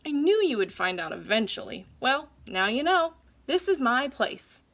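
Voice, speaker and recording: A confident boss dog from a children's storybook, put on by a woman reader. He is easygoing and sure of himself, explaining his world emphatically in a bright, raised voice. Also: sits high, very animated, moderate pace, full character voice. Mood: calm, assured.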